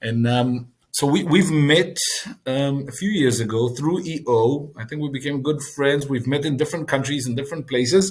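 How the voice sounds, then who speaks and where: A man's somewhat breathy voice sits at a fairly high pitch and moves at a moderate pace. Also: ordinary pitch variation. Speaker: podcast host. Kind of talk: podcast interview.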